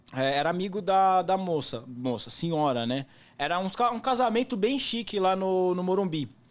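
Lively intonation marks this man's high-pitched voice at a moderate pace. The recording is very clean, with a silent background. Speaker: rideshare driver and content creator. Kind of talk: casual chat.

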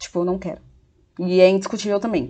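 A woman at a very fast pace. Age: 20s. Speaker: podcast host. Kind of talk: casual solo monologue. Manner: animated.

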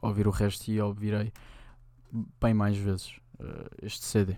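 A man's fairly low, dark, mellow voice at a fairly slow pace, with a European Portuguese accent. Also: very clean recording, silent background. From rural Portugal. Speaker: podcast host. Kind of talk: solo casual monologue. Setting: home recording at midnight.

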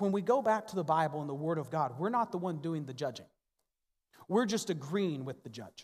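With an unremarkable speaking voice, a man talks at a fairly quick pace, his fairly high pitch carried by lively intonation. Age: 30s. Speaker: pastor. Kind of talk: sermon; church announcements. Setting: church. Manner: casual, conversational.

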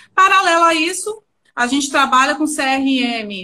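A woman projects a raised, high-pitched voice with a bright, sharp tone and lively intonation at a very slow pace. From Espírito Santo, Brazil. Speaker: sales director, print industry. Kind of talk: interview.

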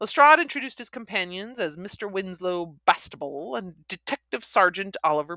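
Lively intonation in plain reading aloud, quiet background behind it.

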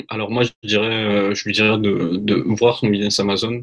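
With monotone, flat intonation, a man talks at a fairly low pitch. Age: 20s. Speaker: accountant and Amazon seller. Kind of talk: interview. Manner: hesitant, many fillers.

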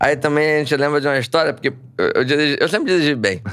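Speaking at a fairly quick pace, a man has a fairly high pitch and a bright, sharp tone. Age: 30s. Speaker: retired footballer. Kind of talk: casual chat.

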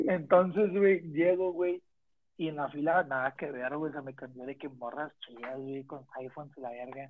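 In an ordinary speaking voice, the delivery moves at a fairly slow pace with ordinary pitch variation and big swings in loudness. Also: man. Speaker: podcast co-host. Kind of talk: casual chat. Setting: recording on a phone. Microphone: phone mic, lower quality than usual.

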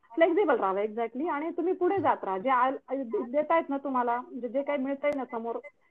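Lively intonation in a woman's high voice. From Marathwada, Maharashtra (Nanded district). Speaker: businesswoman. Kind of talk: interview.

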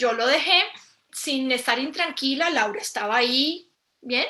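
A woman projects a raised voice, high and with a bright, sharp tone, speaking at a moderate pace with lively intonation. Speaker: podcast co-host, homeschooling mother. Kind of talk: casual chat.

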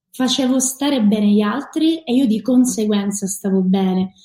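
A woman speaks fairly slowly in a somewhat breathy, fairly high voice with ordinary pitch variation. Her tone is dark and mellow. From Sicily. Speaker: photographer. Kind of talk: interview. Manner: assertive.

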